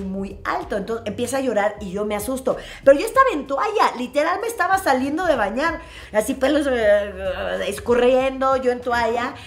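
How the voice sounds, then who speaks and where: A woman with a Mexican accent telling a family story to her viewers in a casual, animated way. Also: on the high side. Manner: animated, expressive, acts out scenes. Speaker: vlogger.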